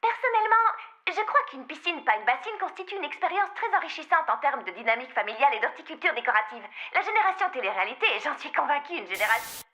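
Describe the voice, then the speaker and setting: A woman's voice: high-pitched, big pitch swings, quick pace, bright, forceful tone, muffled recording, exaggerated voice. A woman voicing a precocious, self-assured young girl in a French cartoon dub, wordy and know-it-all.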